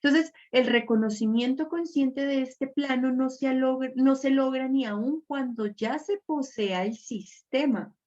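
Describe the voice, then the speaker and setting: A woman's voice: sits high, unhurried, hardly any pauses, a little mellow. A woman teaching an online reading class, explaining step by step and checking understanding with little question tags. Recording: dull lo-fi audio.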